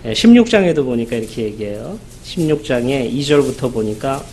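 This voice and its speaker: A man's voice: mid-range voice, lively intonation, brisk, darkish tone, slight background noise. A man preaching a sermon in a conversational way, reading scripture aloud and then retelling it in everyday speech with frequent "yes" interjections.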